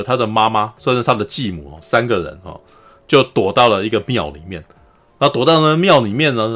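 A man, hosting a podcast. He retells a drama in a chatty, laughing way, keeps asking "you know?", and acts out the quotes in a higher voice. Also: a bit bright. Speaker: podcast host. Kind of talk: casual storytelling recap of a TV drama.

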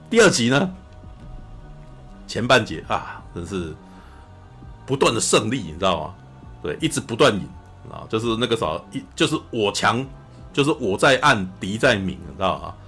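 A man from Taiwan, co-hosting a podcast and chatting casually about a film, animated, acting out scenes and often saying "you know". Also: lowish voice, normal speed, long pauses, soft background music. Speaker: podcast co-host. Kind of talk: casual film review chat.

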